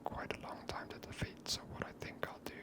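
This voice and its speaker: Casting: hushed ASMR game streamer, whispered delivery throughout, unvoiced and soft. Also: quick pace.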